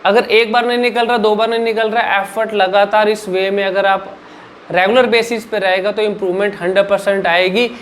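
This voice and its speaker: A man's voice: high voice, level tone, fairly quick, fairly bright tone. Emphatic male speech coach with faint hiss. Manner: emphatic, rhetorical questions answered himself; repeats "ठीक है ना" as a check-in. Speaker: public speaking coach. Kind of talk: instructional vlog talk.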